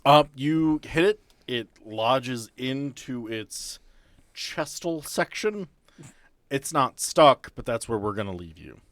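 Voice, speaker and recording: A man's voice: mid-range voice, expressive, takes it slowly, a bit bright, dry recording. A man casually narrating a tabletop role-playing game as game master.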